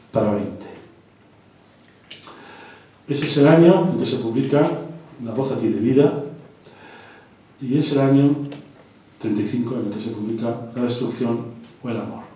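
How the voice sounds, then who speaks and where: A man's voice: mid-range voice, warm tone. Male lecturer, hesitant and repetitive delivery, distant mic in a very echoey hall. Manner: hesitant, with repeated words and restarts. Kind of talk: live literary lecture.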